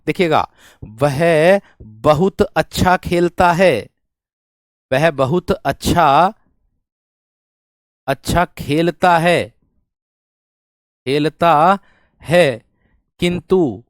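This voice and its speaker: A man's voice: fairly high pitch, no echo, studio quality. A male teacher with a North Indian Hindi accent giving an exam-prep grammar lesson, repeating each point and checking whether students have understood. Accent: Hindi-speaking North Indian. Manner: calls students friend and brave one.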